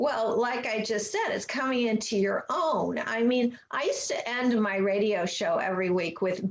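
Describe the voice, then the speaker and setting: A woman speaks at a moderate pace in a fairly high voice with ordinary pitch variation, over noticeable background noise. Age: 60s. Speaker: co-author and former radio host. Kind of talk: interview.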